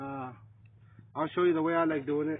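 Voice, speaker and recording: A man speaks at a fairly quick pace. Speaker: fishing vlogger. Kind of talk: tutorial. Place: waterside.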